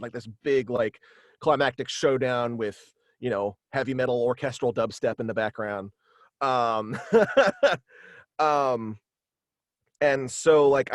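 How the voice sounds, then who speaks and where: A man in his thirties casually explaining his creative work as an interview guest, in a halting, meandering way. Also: mid-range voice, dry recording. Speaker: guest, voice actor and writer. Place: small indoor home setup, video call.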